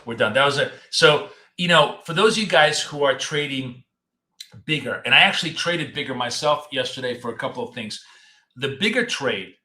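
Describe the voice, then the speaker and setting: Guy hosting a live trading stream from home, rambling and repeating himself, voice going, bright edgy tone, echoey room. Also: mid-range voice, lively intonation, normal speed. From United States. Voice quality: talkative, repeats himself, loose and chatty. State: losing his voice, coughing. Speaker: trading show host. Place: home office in a city apartment.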